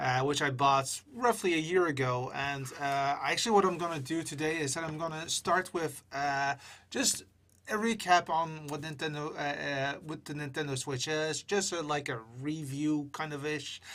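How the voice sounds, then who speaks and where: The speaker has a Dutch accent and keeps a moderate pace. The recording is very clean, with a silent background. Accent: Americanized Dutch English. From Netherlands. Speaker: tech streamer. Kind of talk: live stream chat. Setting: home studio, live stream. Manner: halting, many fillers.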